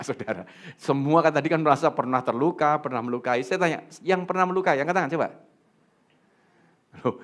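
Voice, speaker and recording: Lively, animated preacher man. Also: on the high side. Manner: animated, asks the congregation questions and jokes. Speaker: pastor. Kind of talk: sermon. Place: church.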